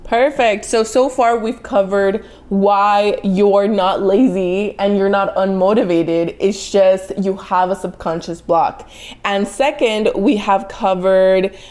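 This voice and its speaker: A woman in her twenties with a Mexican accent, hosting a motivational solo podcast in an earnest, encouraging way, often speeding up in quick bursts. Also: mid-range voice, fairly even intonation, a little mellow. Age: 20s. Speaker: podcast host.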